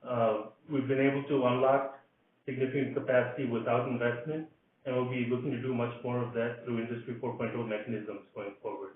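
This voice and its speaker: A man's voice: medium pitch, steady tone, brisk, slight background noise. A man presenting business results as a company executive on a conference call. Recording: echoey, distant, phone-like conference line.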